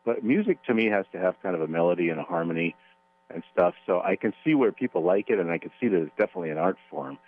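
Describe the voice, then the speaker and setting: A man, a concert promoter guesting on a radio show, speaking in an earnest, measured way. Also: low voice, lively intonation. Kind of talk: casual radio interview. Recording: tinny phone-like radio audio with hum.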